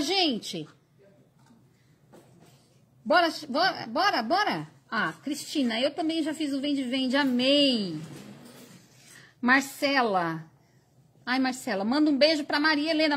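High-voiced chatty Brazilian woman. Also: a bit bright. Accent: Brazilian Portuguese. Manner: chatty, reads viewer comments aloud. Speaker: crochet teacher. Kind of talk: live-streamed class.

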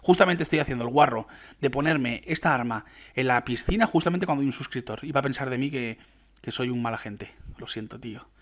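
A young man from Spain with a Spanish accent, commenting his own gameplay in an excitable, chatty way with frequent laughs. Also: medium pitch, a little fast. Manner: excitable, laughs often, chatty asides to viewers. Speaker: gaming YouTuber.

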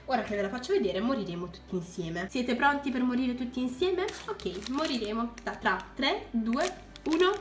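A young woman who runs a crafts channel, gushing with excitement as she unboxes supplies for viewers. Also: a little high, normal speed, hardly any pauses, roomy sound, a little hiss or hum. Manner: gushing, keeps exclaiming in delight.

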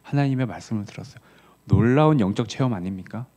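Korean pastor preaching conversationally. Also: male voice, fast. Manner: conversational preaching, voicing quoted lines with rising pitch; drops to soft low tones on key words. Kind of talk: early-morning sermon.

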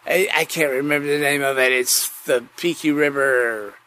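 A man rambling casually through a solo podcast monologue, halting and digressive, often repeating himself. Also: medium pitch, fairly even intonation, sharp tone. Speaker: podcast host. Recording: clearly noisy background.

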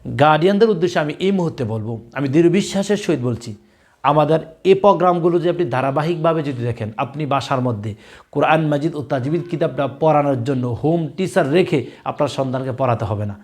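A male religious teacher giving a recorded lesson to young pupils, spelling out letters loudly and slowly and repeating each drill several times. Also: on the high side. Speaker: Quran and tajweed teacher.

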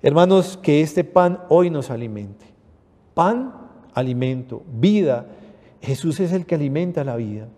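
Dark-voiced Panamanian priest preaching. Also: male voice, on the high side, animated, unhurried, long reverb tail. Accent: Panamanian Spanish. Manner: earnest, repeatedly addressing listeners as brothers. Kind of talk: sermon.

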